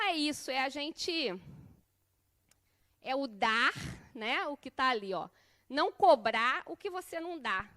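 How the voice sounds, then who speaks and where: A middle-aged woman gives a lesson in a chatty, conversational way. Her voice sits high, and she keeps checking in with her listeners by ending her sentences with a questioning "né". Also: fairly bright tone. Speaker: course instructor. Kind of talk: conversational lesson with personal anecdotes.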